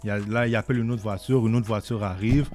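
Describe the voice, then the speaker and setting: A man's voice: lowish voice, quick pace, faint music behind. A young man with a Québécois French accent, casually telling a story as a podcast guest and often asking "tu comprends?". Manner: animated, repeats "tu comprends?" often.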